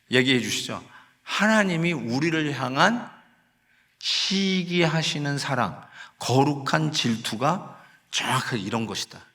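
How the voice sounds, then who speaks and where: A man's voice: mid-range voice, fairly bright tone. A male pastor preaching a conversational sermon, slipping in English phrases and acting out short quoted pleas. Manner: acts out quoted sighs and pleas. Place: church sanctuary. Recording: long hall reverb in a sanctuary.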